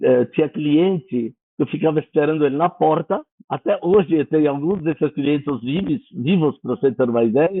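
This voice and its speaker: This man talks at a moderate pace with a Spanish accent, ordinary pitch variation and very even loudness. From Egypt. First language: Spanish (speaking Portuguese). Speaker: events industry executive. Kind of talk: interview. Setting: recorded broadcast program. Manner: hesitant, with many fillers.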